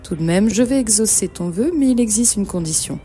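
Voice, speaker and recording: A woman's voice: mid-range voice, animated, fairly quick, mellow, voice pushed up, lightly acted. A woman voicing a stern sea witch in a cartoon fairy tale, cautioning and commanding. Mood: stern warning. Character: stern, warning sea witch granting a wish. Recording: music behind the voice.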